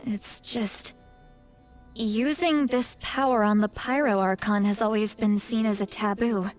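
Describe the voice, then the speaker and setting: An actress playing a troubled but determined tribal seer in a fantasy video game, earnest and resolute. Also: female voice, medium pitch, steady tone, a little slow, soft background music, natural voice. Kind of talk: scripted video game voice acting.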